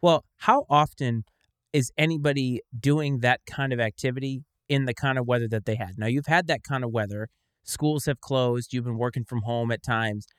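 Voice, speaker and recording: A man in his forties with a middle-pitched voice co-hosts a casual sports talk show. He argues his points wryly. The recording is dry and close. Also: moderate pace, smooth, no room sound. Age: 40s.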